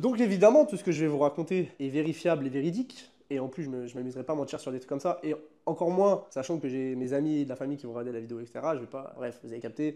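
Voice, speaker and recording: A man rushes through his words at a very fast pace with ordinary pitch variation. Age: 20s. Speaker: online entrepreneur and YouTuber, former soldier. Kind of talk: personal storytelling vlog. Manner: casual, hesitant with many fillers.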